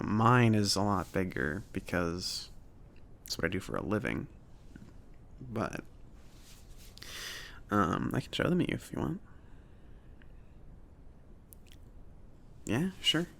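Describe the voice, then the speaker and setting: A man playing a friendly, awkward mage shopkeeper in an ASMR roleplay, speaking softly and haltingly, often near a whisper. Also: on the low side, very animated, gravelly, heavily acted. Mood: casual, modest. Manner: hesitant, halting, casual.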